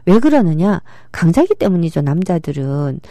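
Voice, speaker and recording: A woman's voice: on the low side, very animated, normal speed, warm tone, no echo. A middle-aged woman giving a public lecture, explaining with rhetorical questions and acting out quoted speech.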